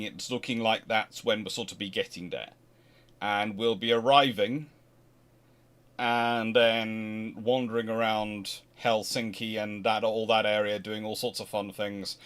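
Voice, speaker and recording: A man's voice: on the low side, unhurried. Rambling man answering viewer questions. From Scotland. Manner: rambling, self-correcting, animated asides. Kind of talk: casual livestream Q&A.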